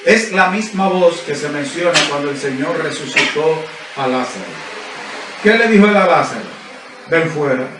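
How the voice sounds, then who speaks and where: His sermon rings out in a high voice with lively intonation at a moderate pace, built on emphatic repetition and questions posed to the congregation. The church service recording is roomy and echoing from a faraway mic, with a noisy background.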